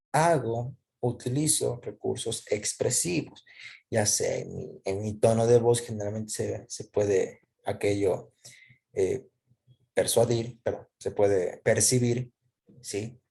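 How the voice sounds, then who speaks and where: A man's voice: mid-range voice, vocal fry, mellow. A man teaching a lesson, explaining step by step, posing questions and answering them himself with frequent check-in tags.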